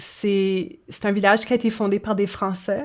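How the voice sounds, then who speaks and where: On a very clean recording with a silent background, a woman at medium pitch speaks at a fairly slow pace. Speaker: folk singer-songwriter. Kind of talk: interview, conversational. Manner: hesitant, many fillers and repetitions.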